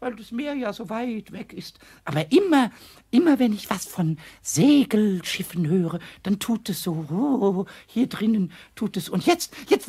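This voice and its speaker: An actor playing a small, childish, stubborn male kobold in a children's audio play, squeaky and scratchy, stammering and repeating himself as he pleads. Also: husky, full character voice.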